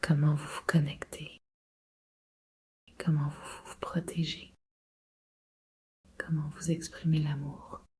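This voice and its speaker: Low, breathy woman guiding meditation. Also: flat delivery, a little mellow. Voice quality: breathy, husky, often near-whispered. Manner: soothing, slow, measured instructions with long pauses. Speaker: guided meditation leader. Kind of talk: guided Yoga Nidra meditation.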